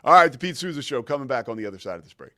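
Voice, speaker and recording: A man's voice: medium pitch, animated, racing, loud music behind the voice. A man in his forties hosting his own show, telling a long personal story in a casual, rambling way with lots of fillers and restarts. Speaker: show host.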